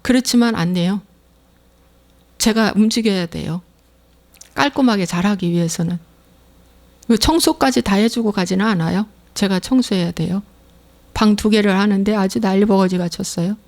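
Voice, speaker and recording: Preaching with long pauses, this middle-aged pastor speaks at a moderate tempo with a medium pitch and a darkish tone. Her delivery is emphatic and repetitive, and she voices inner thoughts as characters.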